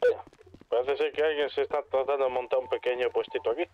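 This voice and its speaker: A man's voice: mid-range voice, fairly even intonation, fast talker. A man speaking Spanish in casual roleplay chat with fellow players in an online game. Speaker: roleplay gamer. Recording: dull radio-like game voice chat.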